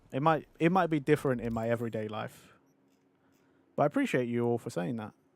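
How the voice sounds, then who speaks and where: A man with a British accent speaks at a very fast pace with ordinary pitch variation, in a very clean recording with a silent background. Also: medium pitch for a man. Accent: British, drops T's. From London, England. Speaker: vtuber gaming streamer. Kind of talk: live-stream chat. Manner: clear enunciation; casual, conversational.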